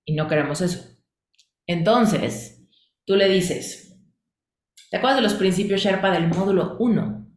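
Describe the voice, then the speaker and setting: A woman's voice: mid-range voice, unhurried, long pauses. Emphatic woman coach in an echoey room. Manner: emphatic, questioning, lists in repeated phrases. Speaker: coaching instructor. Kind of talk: coaching class demonstration.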